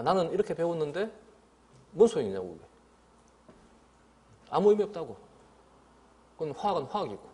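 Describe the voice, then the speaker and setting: A middle-aged man lectures a class on biology and keeps checking whether the students follow him. His voice sits fairly high and jumps around a lot in pitch. He scolds the class and now and then mimics a student in a lighter voice. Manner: lively and scolding, often asks "알겠지?".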